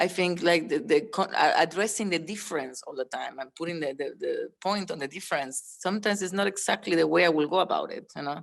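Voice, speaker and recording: A woman with a Spanish accent speaks at a very fast pace with hardly any pauses, her pitch fairly low and ordinarily varied, on a very clean recording with a silent background. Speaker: theatre artist. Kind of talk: panel discussion. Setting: live-streamed panel. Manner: halting, many fillers.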